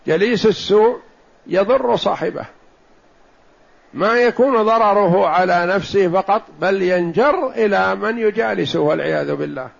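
An Islamic scholar teaches hadith commentary, explaining a text in a measured way and slowing down to stress his points. His voice is high-pitched with vocal fry, and the lo-fi recording sounds dull.

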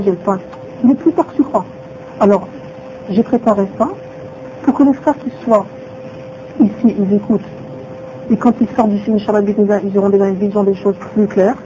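Fast-talking woman giving a religious lesson. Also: mid-range voice, noisy background. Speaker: religious teacher. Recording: dull lo-fi recording.

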